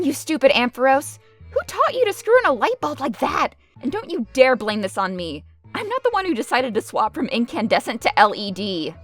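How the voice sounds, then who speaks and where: A woman plays a grouchy cartoon gym leader with a fairly high, very animated voice. She is brash, snappy and sarcastic, sure of herself, with faint music behind. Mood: exasperated. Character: irritable, gullible, lazy young woman gym leader. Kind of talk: animated parody voice acting.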